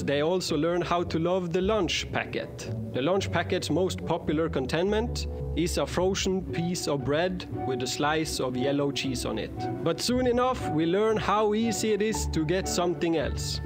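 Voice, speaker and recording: A man reading a comic scripted video narration in a deadpan, ironic way. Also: sits high, a little slow, hardly any pauses. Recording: narration over loud music.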